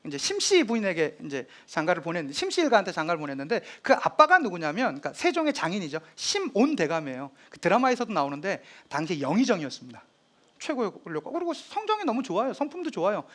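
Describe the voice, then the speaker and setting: A man lecturing on history, retelling drama scenes in a lively storytelling manner. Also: high voice, quick pace.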